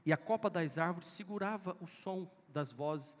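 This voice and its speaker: Here a high-pitched male pastor with a Northeastern Brazilian accent speaks at normal speed. His sermon is emphatic and full of repeated exhortations, captured in an echoing church hall.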